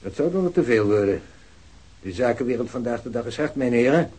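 A man's voice: medium pitch, animated, brisk, darkish tone, slightly rough. A man playing a curt, guarded executive. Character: cool evasive male company executive. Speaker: business executive. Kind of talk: Dutch radio play acting.

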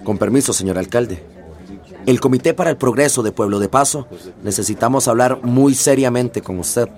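An actor playing a pushy, sarcastic citizens' committee leader confronting the mayor in a radio drama. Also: male voice, mid-range voice, normal speed, a little mellow, close to an everyday voice. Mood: indignant.

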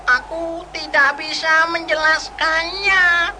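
A woman's voice: very high voice, fairly even intonation, slow, noisy background. A woman playing a kind chatty white squirrel. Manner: playful, fussy, slips on words. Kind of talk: storytelling drama. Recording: music playing behind the voice.

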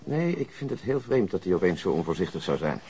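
An actor playing a measured, pessimistic police detective in a radio drama, speaking in a deliberate, understated way. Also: male voice, low voice, sing-song, dark tone. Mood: measured, doubtful.

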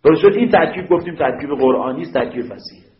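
A man teaching grammar in a lively classroom lecture, often checking understanding with quick rhetorical questions. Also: on the high side. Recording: echoey, dull lo-fi room recording.

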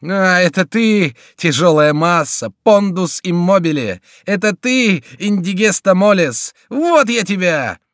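A raised, taunting jester's voice in an audiobook, as a male narrator puts him on. He is gleeful and theatrical and rides his pitch up and down with every jab. The recording is dry and close. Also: expressive, unhurried, few pauses, fairly bright tone, no echo. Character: gleeful, mocking male jester getting revenge.

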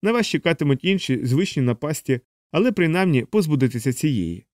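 A man's voice: fairly high pitch, very animated, a little fast, darkish tone, no echo, clean studio sound, voice pushed up. A man voicing a fussy male alien helper who lectures at length, in an audiobook. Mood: lecturing. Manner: didactic, explaining at length. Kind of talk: audiobook character voice.

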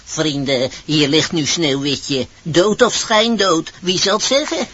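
A man playing an earnest, orderly dwarf in a fairy-tale radio play, husky and urging. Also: fairly high pitch, takes it slowly, fairly bright tone. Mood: solemn. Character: earnest, orderly male dwarf leading workers. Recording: dull old radio recording.

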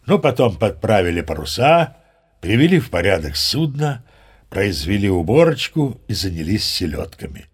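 A man's voice: on the low side, sing-song, normal speed, slightly rough. An actor playing a boastful old sea captain, chatting to the listener as he spins tall tales in an audio play. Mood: boastful storytelling. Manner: chatty, self-satisfied storyteller addressing the listener. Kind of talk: audio play storytelling monologue.

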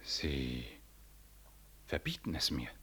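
A man acting in a 1960s radio drama as a stern, dutiful Catholic priest who speaks in a solemn, formal, deliberate way. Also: rumbling low, wildly swooping pitch, a bit bright, slightly rough, full character voice.

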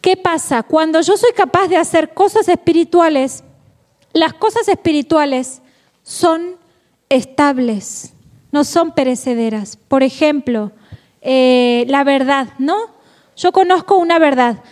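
A woman's voice: sits high, unhurried, darkish tone. A woman giving a Catholic formation lecture. She is playful, laughs often and asks rhetorical questions. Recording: echoey hall, long reverb.

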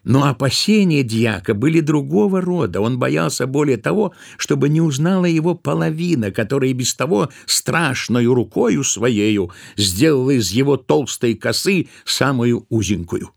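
A man's voice: mid-range voice, expressive, normal speed, creaky, hardly any pauses. A man narrating a literary tale as a scripted storyteller in an audio drama.

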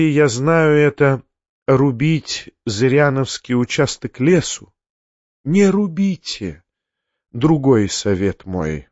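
A man's voice: mid-range voice, darkish tone, dry recording, muffled recording. A man voicing a pompous, sanctimonious older male tyrant who preaches and shrieks. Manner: preachy, shrieking when enraged.

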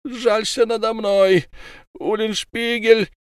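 A shrill begging old werewolf. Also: male voice, level tone, slow pace, clear, resonant tone, no room sound, clean studio sound. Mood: pleading. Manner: shrill, pleading. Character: old male werewolf murderer, wounded, begging.

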